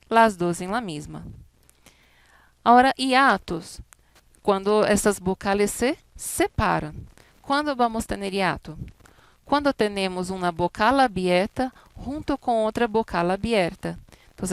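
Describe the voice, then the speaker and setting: Woman, Spanish teacher, methodical explanation, smooth clear voice. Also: medium pitch, no room sound. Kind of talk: recorded class explanation.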